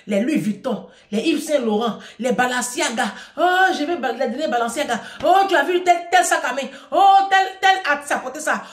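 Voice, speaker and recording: A woman's voice: high-pitched, lively intonation, moderate pace, few pauses, roomy sound. A middle-aged woman mimicking a shallow young woman who gushes in a sing-song voice about designer bags. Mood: gushing.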